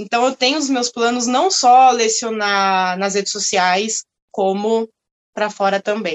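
A woman's unremarkable speaking voice, fairly high in pitch, at a fairly slow pace with ordinary pitch variation. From São Paulo, Brazil. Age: 20s. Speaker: painter and art student. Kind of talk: interview.

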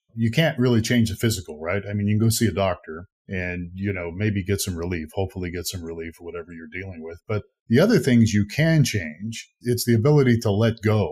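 A man speaks with a somewhat breathy voice and ordinary pitch variation, leaving hardly any pauses. The recording is very clean, the background silent. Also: fairly low pitch for a man, fairly quick pace, big swings in loudness. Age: 60s. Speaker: pastor and church streaming provider. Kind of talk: casual chat.

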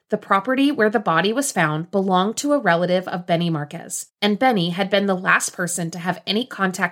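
Recorded very cleanly against a silent background, a woman with an ordinary speaking voice talks at a fairly quick pace, at medium pitch and with ordinary pitch variation. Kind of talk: true-crime narration. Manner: measured, serious storytelling tone; formal, scripted-sounding, even pacing.

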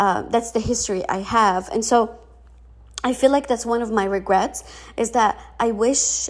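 With a Moroccan accent, the speaker uses a warm tone at a fairly slow pace and fairly even intonation. The recording is very clean, with a silent background. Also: woman. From Morocco. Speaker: podcast host, former teacher. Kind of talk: solo monologue, casual self-help talk. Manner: warm, chatty with frequent fillers.

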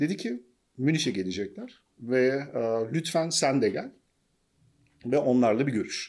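Using lively intonation, a man with a medium pitch talks at a fairly slow pace with long, frequent pauses. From Germany (Nuremberg area). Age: 40s. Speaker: startup CEO. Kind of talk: interview.

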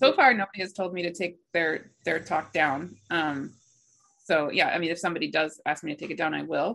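Her unremarkable speaking voice sits fairly low for a woman, moving at a fairly quick pace with ordinary pitch variation. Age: 40s. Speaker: spiritual teacher and symposium organizer. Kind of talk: casual interview conversation.

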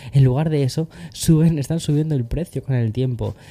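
A man speaks at a moderate pace with fairly even intonation and a dark, mellow tone. The recording is very clean, with a silent background. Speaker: tech podcast host. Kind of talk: daily solo tech podcast monologue. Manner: hesitant with fillers and repeats.

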